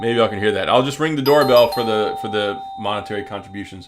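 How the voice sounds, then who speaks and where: A man speaks with an American accent. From Texas, Houston. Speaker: tech YouTuber. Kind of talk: livestream chat with viewers. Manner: fast.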